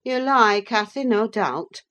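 A woman's voice: a little high, animated, takes it slowly, a bit bright, voice pushed up. A woman voicing a curt, scornful young master of the house.

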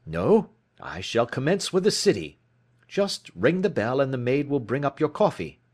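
A man reading aloud, voicing Sherlock Holmes as a keen, brisk detective in a crisp, emphatic, declamatory way. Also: mid-range voice, very animated, a little mellow, voice pushed up. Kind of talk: audiobook character reading.

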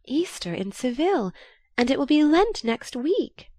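A woman voicing a composed, dignified young society woman who speaks softly and earnestly. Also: high voice, big pitch swings, measured pace, no echo, clean studio sound, pitched above the performer's own voice. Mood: playful.

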